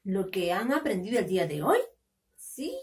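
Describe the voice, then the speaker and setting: A woman teaching a phonics lesson to young children, sounding out syllables slowly and coaxing them with questions. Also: medium pitch, sing-song, distant mic. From Peru. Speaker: kindergarten teacher.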